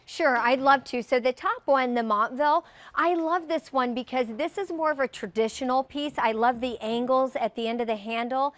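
Middle-aged woman, brand guest, descriptive sales talk, fairly high voice, tv studio. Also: moderate pace, hardly any pauses, no echo. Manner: warm, descriptive product talk. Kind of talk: live TV shopping presentation. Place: TV studio set.

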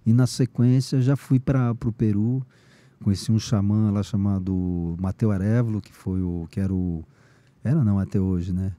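Mellow-voiced man telling a story. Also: on the low side, normal speed, no echo. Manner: lively, acts out his own past lines in a raised excited voice; informal, frequent slang fillers. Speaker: podcast guest, teacher of shamanism. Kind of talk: casual storytelling in a conversation.

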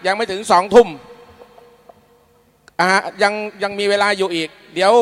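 A man delivers a rally speech in a very high, clear voice. He addresses the crowd emphatically as an MC, with long reverb trailing his words and music behind him. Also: steady tone, normal speed. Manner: loud, emphatic, polite thanks and repetition. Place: public rally at a provincial hall.

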